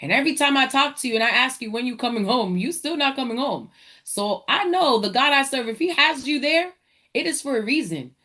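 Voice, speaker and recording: A woman's voice: high voice, animated, brisk, sharp tone, voice pushed up, exaggerated voice. A woman voicing her devout mother, a single mom of three, firm and preachy while reassuring her daughter. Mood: firm, encouraging.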